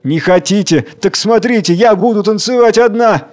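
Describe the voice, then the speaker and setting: A fierce young woman in black cries out at the cowards around her, voiced by a man well above his own pitch. Her shouts are loud, commanding and close to tears. This is a storybook reading. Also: normal speed, lightly acted. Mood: desperate. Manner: shrill, commanding, tearful outbursts.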